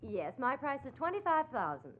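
Evasive female schemer, American, highish voice, very animated, thin vintage radio sound, faint noise. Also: fairly quick. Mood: guarded, businesslike. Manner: guarded, evasive, clipped. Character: secretive, guarded younger woman running a shady deal. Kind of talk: 1940s radio acting. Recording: noisy, tinny old radio recording.

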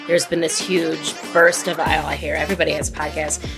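A woman's voice: sits low, level tone, brisk, music in the background. A woman co-hosting a podcast, chatting casually and acting out quoted asides, recorded at a busy conference. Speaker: podcast co-host. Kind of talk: casual chat.

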